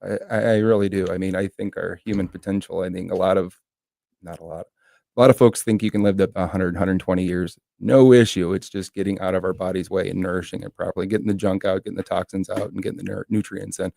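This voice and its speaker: A man with a very deep, gravelly voice talks fast and earnestly as a guest on a radio show, explaining at length. His tone is dark and mellow. The sound is dry and close. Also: fairly even intonation, no echo. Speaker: health food store owner, guest. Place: radio studio.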